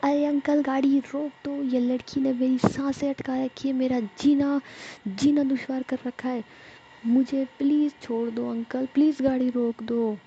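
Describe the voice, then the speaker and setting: A woman voicing a short-tempered, exasperated young woman who scolds in a raised, loud voice. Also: mid-range voice, normal speed, lo-fi sound, slight background noise, close to an everyday voice.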